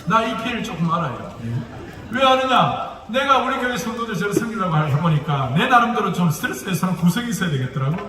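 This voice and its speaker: A man's voice: sits high, animated, quick pace. A male pastor with a Gyeongsang dialect gives a lecture-style sermon, joking and putting rhetorical questions to the audience. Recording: echoey hall, distant mic, noisy.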